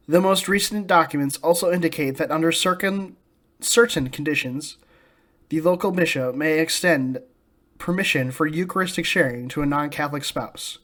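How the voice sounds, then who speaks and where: A man's voice: a little high, fairly bright tone. An American man hosting a scripted religious commentary, speaking in a solemn, emphatic and declarative manner. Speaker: host of a religious commentary channel.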